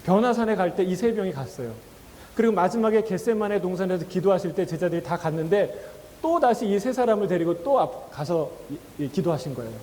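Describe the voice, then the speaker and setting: A man's voice: sits high, animated, a little fast, darkish tone, big-room sound, slight background noise. A male pastor preaching a sermon in a conversational way, asking the congregation questions and acting out quoted voices with a chuckle. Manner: acts out quoted voices with laughs. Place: church sanctuary.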